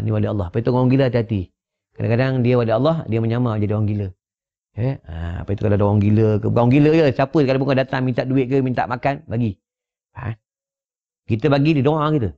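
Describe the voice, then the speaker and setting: A man with a Malaysian Malay accent gives an informal religious talk, his mid-pitched voice gravelly and rough at the edges. He keeps it jokey and conversational, tossing quick "ha? eh?" checks to his listeners. The lapel-mic recording is dull and lo-fi. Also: darkish tone. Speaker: Islamic religious teacher. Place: private home gathering. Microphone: wireless lapel mic. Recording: dull lo-fi sound.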